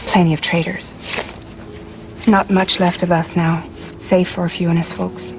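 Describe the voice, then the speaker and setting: An actress playing a guarded young female courier who talks in dry, clipped, quietly wry lines, in a video game cutscene. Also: fairly low pitch, flat delivery, measured pace, noisy background. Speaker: courier company leader. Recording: game cutscene with loud score.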